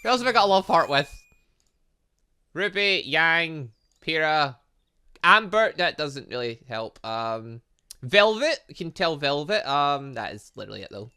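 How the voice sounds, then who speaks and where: A man hosts a gaming let's play in a fairly high, forceful voice. His pitch swings widely as he reads game text and reacts to it. The delivery is casual and full of exclamations. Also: very animated, unhurried, smooth. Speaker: gaming channel host. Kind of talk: casual let's play commentary, reading visual novel text aloud.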